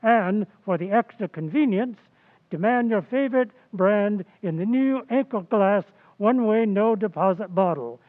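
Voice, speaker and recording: An actor playing a polished, upbeat 1940s radio announcer reading commercial copy. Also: male voice, high-pitched, moderate pace, close to an everyday voice. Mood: upbeat, selling. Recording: thin, phone-like radio sound, faint music.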